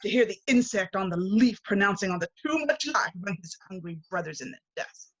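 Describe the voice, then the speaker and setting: A woman's voice: mid-range voice, animated, fairly quick, a bit bright, lo-fi sound, slight background noise, close to an everyday voice. A woman playing a stern, solemn Christmas spirit who rebukes a miser in archaic language, in an amateur dramatic reading. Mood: scolding. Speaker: amateur reader, library staff. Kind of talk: dramatic reading of a classic story.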